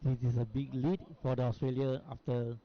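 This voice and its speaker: A man's voice: medium pitch, flat delivery, normal speed. A male co-commentator at a bowls match who asks questions and replies briefly. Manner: asks questions, short agreeing replies, laughs easily. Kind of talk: live sports commentary. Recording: lo-fi broadcast audio with faint noise.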